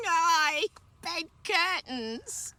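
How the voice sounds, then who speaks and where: A woman's voice: very high voice, sing-song, drawn-out words, pushed and bright, a little hiss or hum, heavily acted. A woman playing a gloating, callous servant thief with sly relish in a Victorian radio drama. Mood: brazen. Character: brazen, gloating female thieving servant in Victorian slum. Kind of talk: theatrical radio play acting.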